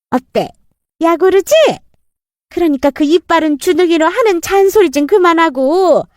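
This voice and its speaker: A woman's voice: extremely high pitch, no echo, clean studio sound, voice pushed up. A woman voicing a greedy, scheming middle-aged stepmother who swindles people, talking brazenly and pleading shrilly.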